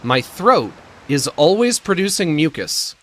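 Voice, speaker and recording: A man streaming a prerecorded monologue, with a squeaky voice, slurred, lisping, stammering speech, and short gasps for breath before sentences. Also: big pitch swings, a little slow.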